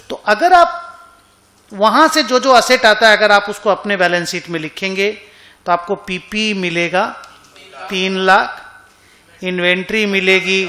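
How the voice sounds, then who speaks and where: A male accounting teacher lectures in a relaxed, conversational way and keeps checking whether his students follow. His voice sits high and comes across bright and forceful. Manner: conversational, asks students questions often. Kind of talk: classroom lecture. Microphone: online class recording.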